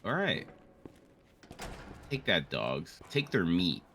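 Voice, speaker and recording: A man's voice: deep voice, big pitch swings, takes it slowly, vocal fry, sharp tone, a little hiss or hum. A man co-hosting casual gameplay chat, telling rambling, sweary stories. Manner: rambling, profane storytelling. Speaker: gaming co-host.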